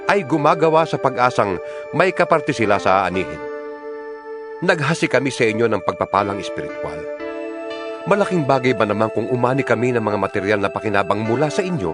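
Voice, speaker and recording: A man with a natural voice plays Paul, a fervent Filipino apostle writing to his church, in a dramatized Tagalog audio Bible reading. He speaks oratorically, with wide pitch swings and emphatic rhetorical questions. It is a studio recording over clear instrumental music.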